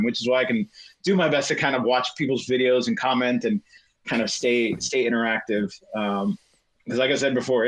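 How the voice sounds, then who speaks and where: A man's voice: mid-range voice, a bit bright, no room sound, rough recording. Rambling, hesitant middle-aged man. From United States. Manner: rambling, hesitant, many fillers. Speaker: guest. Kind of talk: casual chat.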